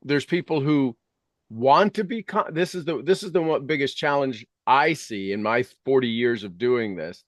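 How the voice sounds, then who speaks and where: A man's voice: mid-range voice, normal speed, dry recording, studio quality. A middle-aged or older man talking conversationally like a coach, emphatic and repeating phrases to drive points home.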